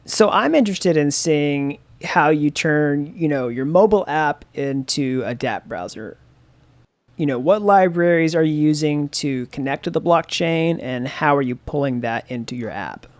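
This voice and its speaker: Higher-voiced man, dry close sound. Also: lively intonation, moderate pace, dry recording. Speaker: host. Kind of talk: interview question.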